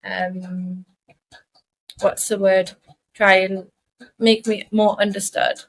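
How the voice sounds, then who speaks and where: A woman's voice: mid-range voice, little pitch movement, slow, low-quality recording. A young woman from northeast England with a mixed Geordie and South Asian accent, chatting casually and self-deprecatingly as a podcast co-host.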